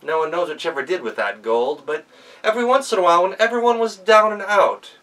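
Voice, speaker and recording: A man's voice: high-pitched, fast, a bit bright, distant mic, low-quality recording. A man narrating a folktale aloud in a theatrical storyteller's manner. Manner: theatrical, with emphatic sound words. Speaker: professional storyteller.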